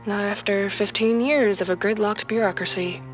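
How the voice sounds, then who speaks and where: A woman's voice: mid-range voice, fairly even intonation, moderate pace, natural voice. A woman playing a weary, defeated single mother in her thirties in an audio drama, resigned, hesitant and defensive. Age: 30s. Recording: music under the voice.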